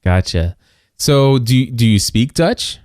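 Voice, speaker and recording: Middle-aged male podcast interviewer, jovial and conversational, medium pitch, recorded dry and close. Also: animated, slow, darkish tone, no room sound.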